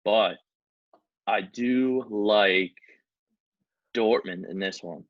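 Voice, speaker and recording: A man's voice: lowish voice, very slow, no room sound. A man co-hosting a podcast, chatting casually and hesitantly about football. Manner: hesitant, stumbles over foreign names. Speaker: podcast co-host. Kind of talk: casual sports chat. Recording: dull lo-fi, dry sound.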